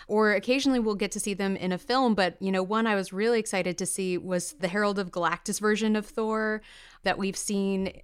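Chatty woman co-host, smooth voice. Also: medium pitch. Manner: chatty, giggly. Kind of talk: casual podcast interview.

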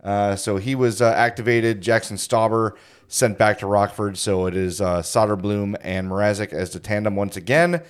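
A man's voice: lowish voice, moderate pace, clear, resonant tone. A man in his forties hosting a casual sports podcast, jokey and self-deprecating, laughing often. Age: 40s. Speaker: podcast host.

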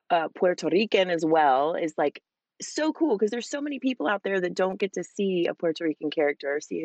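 A woman voice actress chatting in an interview, enthusiastic and animated with plenty of fillers. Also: fairly low pitch, dry recording. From Hispanic family, father with Spanish accent. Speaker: voice actress guest. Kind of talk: casual interview answers.

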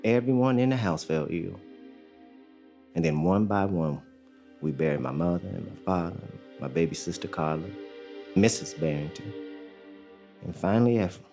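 An actor in an audio drama playing a young enslaved father who talks in a calm, plainspoken drawl. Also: deep voice, moderate pace, pauses often, faint music behind. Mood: steady. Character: young enslaved male father, steady and hopeful.

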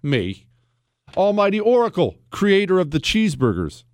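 A man hosting a talk show with a fairly high, swooping voice that leaps up and down. He talks in a mocking, self-admiring way, and his voice sounds dry and close to the mic. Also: huge pitch swings, normal speed, darkish tone, dry recording. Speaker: political talk show host. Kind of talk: sarcastic monologue.

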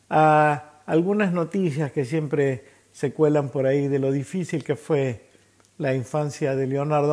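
A man giving reflective commentary as a host, in measured short phrases. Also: fairly high pitch, warm tone.

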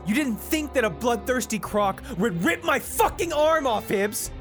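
A man's voice: very high-pitched, animated, measured pace, music in the background, exaggerated voice. A man hamming up a smug hook-armed villain. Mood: gloating. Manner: hammy, gloating villain monologue. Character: evil hook-armed male realtor villain, smug and theatrical.

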